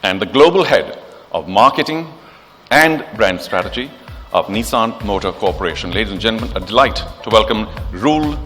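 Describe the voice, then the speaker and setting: A male emcee speaks in polished, flowery phrases and lifts his voice for emphasis. His voice is on the low side. A long echo from a large hall trails his words. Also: animated, moderate pace, a bit bright, soft background music. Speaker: event host. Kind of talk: formal emcee speech.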